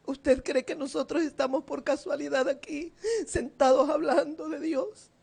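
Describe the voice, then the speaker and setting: Tearful high-voiced woman preacher. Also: vocal fry. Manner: tearful, fervent preaching with sudden loud cries. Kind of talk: emotional sermon. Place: seated indoors.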